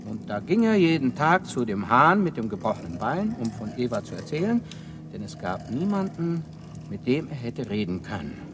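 Brief: actor as an animated, excitable simple guy in a radio play, with background noise. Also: medium pitch, normal speed, close to an everyday voice. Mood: reading aloud. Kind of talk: radio drama acting.

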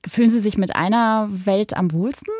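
A woman's voice: medium pitch, moderate pace, darkish tone, dry recording. A woman hosting a radio interview, asking curious, direct questions.

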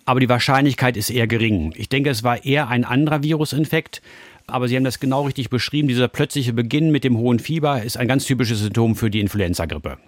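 A man's voice: medium pitch, fast, no room sound. Male physician, mid-range voice, reassuring explainer for medical advice, dry studio sound. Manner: reassuring, explains in simple terms. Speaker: doctor answering callers.

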